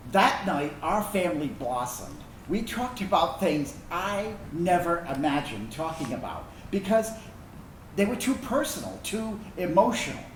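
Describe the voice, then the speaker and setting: A man acting in a staged reading as a reflective, wounded but tender gay son of a military family, telling a personal story earnestly and haltingly. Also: a little high. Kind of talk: dramatic monologue reading of a personal narrative. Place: indoor room, staged reading. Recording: echoey room, distant mic, background noise.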